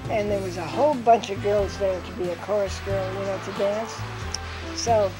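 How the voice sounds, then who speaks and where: An older woman recounting memories from her life in an interview, telling stories lively and acting out what people said. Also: medium pitch, normal speed, over music, poor audio. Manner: lively storyteller who acts out quotes with laughs.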